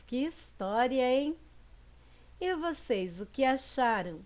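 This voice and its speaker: A woman hosting a horror channel, narrating supernatural accounts in a dramatic, drawn-out storytelling manner. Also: a little high.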